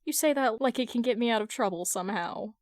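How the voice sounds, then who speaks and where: A woman's voice: a little high, quick pace, no room sound, clean studio sound, natural voice. A woman voicing a hapless, exasperated grown man who gets defensive and flustered, in a fan fiction reading.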